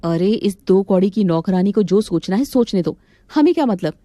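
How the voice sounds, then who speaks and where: A woman's voice: mid-range voice, expressive, normal speed, mellow, dry recording, natural voice. A woman voicing a hot-tempered young wife in a cartoon, scolding and commanding.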